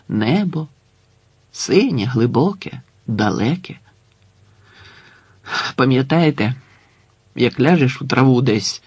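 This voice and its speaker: A man's voice: mid-range voice, darkish tone, slightly rough, dry recording, full character voice. A man voicing a prisoner storyteller who speaks confidingly and wistfully to his listeners. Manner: confiding, wistful direct address.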